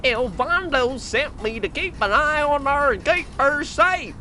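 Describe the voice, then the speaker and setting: High, bright, sassy talking hen. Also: expressive, unhurried, exaggerated voice. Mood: earnest, explanatory. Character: sassy female talking chicken, blunt and peevish. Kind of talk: audio drama acting. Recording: faint background noise.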